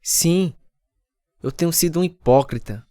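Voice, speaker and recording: Over acoustic guitar music, a man in his 30s narrates and stars in a scripted radio drama, playing an earnest, repentant husband recounting his conversion with confessional sincerity. His voice is a little high, animated and mellow, at a measured pace, in a dry recording with clean studio sound.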